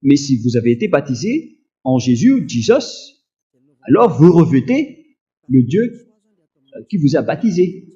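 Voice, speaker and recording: A male preacher delivers a slow, emphatic sermon, his pitch swinging widely, with a dark, mellow tone. He hesitates often and has a slight cough. The recording is dull and lo-fi. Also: sing-song. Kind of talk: sermon teaching.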